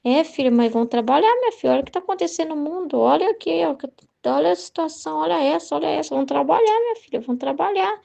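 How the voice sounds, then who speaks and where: A woman's voice: high voice, expressive, fast talker, creaky, warm tone, full character voice. A woman with a Brazilian Portuguese accent voicing a fatherly male divine teacher who urges his listener to get to work, repeating herself in exasperation. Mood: urging, exasperated. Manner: urging, exasperated repetition.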